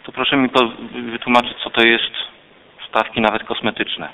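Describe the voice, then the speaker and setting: A city councillor reading out figures at a council meeting in a plain, businesslike way. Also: male voice, medium pitch, level tone, normal speed, bright, forceful tone, clean tone, low-quality recording. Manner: plain, businesslike, reads numbers out.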